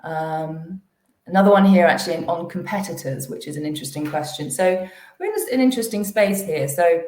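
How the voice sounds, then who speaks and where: A woman executive presenting company results to investors and answering questions, hesitant with many fillers, a little hoarse from losing her voice. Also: lowish voice, brisk, darkish tone, reverberant.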